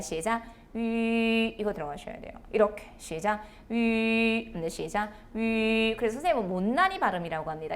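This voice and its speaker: A woman teaching an online language lesson, briskly cueing each sound and modelling it again and again for students to repeat. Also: mid-range voice. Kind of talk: online lecture with call-and-response drills. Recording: echoey room.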